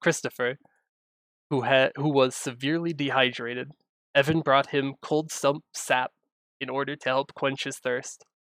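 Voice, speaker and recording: A man's medium-pitched voice with monotone, flat intonation at a moderate pace, on a very clean recording with a silent background and a dry, close sound with no echo. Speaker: gaming lore narrator. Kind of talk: reading aloud. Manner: occasional flubs and restarts.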